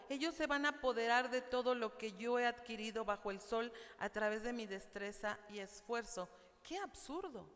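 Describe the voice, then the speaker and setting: A woman's voice: fairly high pitch, a bit bright. A woman preaching at a women's church meeting, reading scripture aloud and asking her listeners questions. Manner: asks the audience questions, laughs. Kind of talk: sermon with Bible reading. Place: church hall. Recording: hall reverb.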